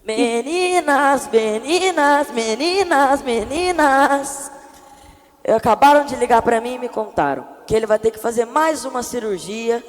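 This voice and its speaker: A woman's voice: a little high, animated, fairly quick, hardly any pauses, a little mellow, soft background music, close to an everyday voice. A woman playing a chatty boy who spreads made-up gossip, talking in an exaggerated, dramatic way in a church skit. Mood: excited gossip. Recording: reverberant church hall.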